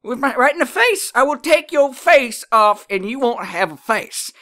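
A woman's voice: high-pitched, big pitch swings, normal speed, a bit bright. A woman voicing a cranky, threatening old neighbour in a comedic demo. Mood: angry.

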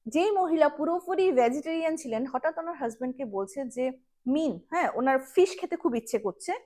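Female storyteller, high-pitched, conversational delivery with English words mixed in. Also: animated, a little fast, a little mellow. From Assam, India. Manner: chatty, addresses listeners with frequent check-ins; mixes English words into speech. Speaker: horror story narrator. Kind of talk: conversational storytelling of a supposedly true account.

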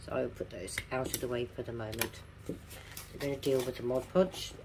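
A woman's voice: rumbling low, steady tone, normal speed, very noisy. A middle-aged woman with toothless, slightly slurred articulation, giving a casual step-by-step craft demonstration and repeating key steps as she instructs. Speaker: craft tutorial presenter. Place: indoors at a home craft table.

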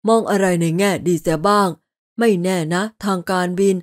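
A woman's voice: steady tone, dry recording, studio quality, natural voice. A woman doing a wary man forcing friendliness. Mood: guarded. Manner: slow, low, guarded.

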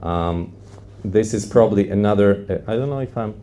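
A man in his forties giving an academic panel presentation in a halting, explanatory way into a handheld microphone. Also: on the low side, dark tone. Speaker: law professor, conference panelist. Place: classroom-sized indoor conference room with audience. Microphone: handheld microphone close to mouth. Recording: roomy, echoing conference room sound.

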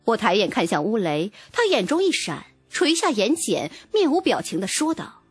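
A woman giving an expressive, dramatic first-person audiobook narration. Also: on the high side, normal speed, breathy edge, soft background music.

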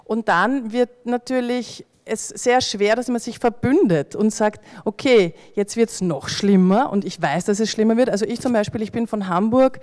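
A woman's voice: fairly high pitch, normal speed, few pauses, a little mellow. Woman speaking off the cuff on a panel. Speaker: panelist, freelance performing artist. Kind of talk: spontaneous panel discussion remarks. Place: stage in a hall before an audience. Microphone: handheld microphone close to mouth.

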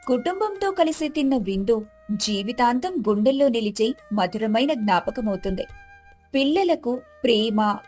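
A woman narrates a scripted village tale. Her voice is fairly high, with faint music playing behind it. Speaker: story narrator.

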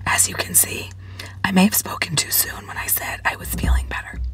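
A woman's voice: fairly quick, a bit bright, soft background music. A woman in her forties who has lost her voice, whispering a vlog to camera from inside a parked car. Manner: breathy whisper, friendly pitch to viewers. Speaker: prepping vlogger. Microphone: phone camera at arm's length.

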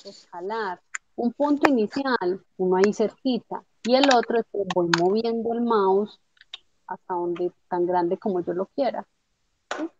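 A woman teaching a software tutorial step by step, patiently checking that her student follows along. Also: medium pitch, measured pace, noisy background. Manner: patient, explanatory, checks understanding with tag questions. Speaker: instructor. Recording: dull lo-fi dry audio.

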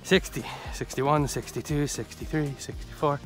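A man's voice: on the high side, steady tone, normal speed, music in the background. Joking man vlogging on a jungle hike. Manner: joking, chatty, talks to himself while hiking. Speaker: travel vlogger. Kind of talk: casual solo travel vlog narration. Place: outdoors in rainforest on a hiking trail.

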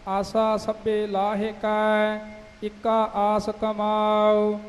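A man recites scripture in a steady sing-song chant, one line at a time. His voice sits high and barely moves in pitch, and he takes each line very slowly. A long hall reverb hangs behind him, with faint music underneath.

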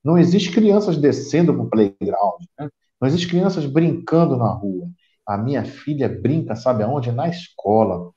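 This time the middle-aged Brazilian guest sounds unhurried, his mid-range voice expressive and warm. With a Brazilian Portuguese accent, he explains at length in a casual video chat, restarting frequently, and the call audio is roomy and dull.

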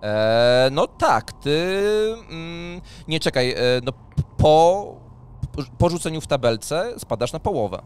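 A man narrating a tabletop role-playing game as game master, improvising in a halting way and repeating words. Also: fairly high pitch, lively intonation, smooth. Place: indoor streaming room. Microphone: microphone on boom arm, close, with headphones.

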